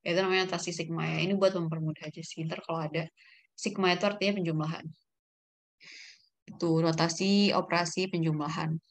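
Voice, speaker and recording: An olympiad math tutor with a lowish voice teaches a casual online lesson, thinking aloud and checking herself as she works through formulas. She speaks fairly quickly with fairly even intonation.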